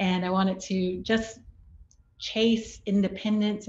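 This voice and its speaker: Speaking with an American accent, a woman is somewhat breathy, with fairly even intonation, a fairly slow pace and audible room echo. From North Carolina, small town. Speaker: painter. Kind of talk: artist talk on video panel. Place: home room. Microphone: video call.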